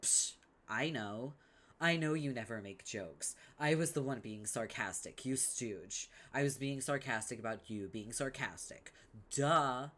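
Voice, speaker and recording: A man's voice: medium pitch, a little slow, sharp tone. A man voicing a smug, scheming young female troll with a brash, sarcastic delivery.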